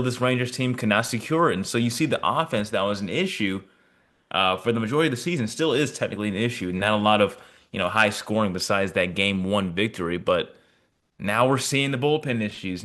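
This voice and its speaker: A man's voice: mid-range voice, a bit bright. A man co-hosting a casual sports podcast, talking in a let-down way with plenty of asides. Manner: disappointed, talks with fillers and asides. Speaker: podcast co-host.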